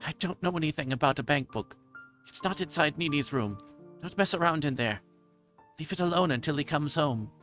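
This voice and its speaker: A man's voice: expressive, fairly quick, a bit bright, soft background music. A man voicing a frightened young girl who pleads desperately in a visual novel read-aloud. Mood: scared defiance. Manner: shrill, pleading.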